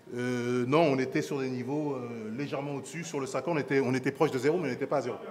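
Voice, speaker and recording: Amid audible room echo, a man at medium pitch talks at a very fast pace with fairly even intonation. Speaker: portfolio manager, master class speaker. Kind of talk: lecture. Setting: conference hall with audience. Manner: hesitant, many fillers and repetitions.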